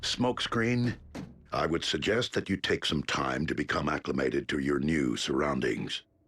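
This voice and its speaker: At a moderate pace, a man performs a cartoonish character voice with a very deep, low pitch. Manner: formal, measured, calm.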